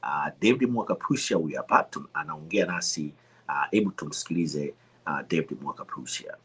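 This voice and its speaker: A male broadcaster introducing his show and a guest, halting with many drawn-out fillers. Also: a bass voice, fairly bright tone, husky. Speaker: host, broadcaster. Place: temporary studio.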